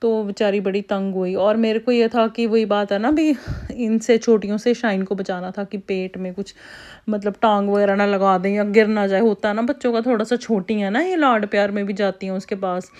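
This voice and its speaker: A woman in her thirties vlogging casually about family life at home, chatty and lively with her kids. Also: mid-range voice, moderate pace. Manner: chatty, talks to her kids in a sing-song scolding way. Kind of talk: casual vlog chat. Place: family home, kitchen and outdoor yard.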